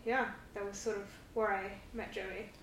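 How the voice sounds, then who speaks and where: A woman's voice: medium pitch, steady tone, normal speed, a bit bright. Woman guest, distant and echoey. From London. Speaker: podcast guest. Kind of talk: casual interview chat. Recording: echoey, distant from mic, faint noise.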